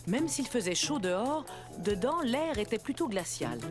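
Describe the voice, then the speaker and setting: A woman narrating a scripted children's story as an expressive storyteller. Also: fairly high pitch, moderate pace. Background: background music.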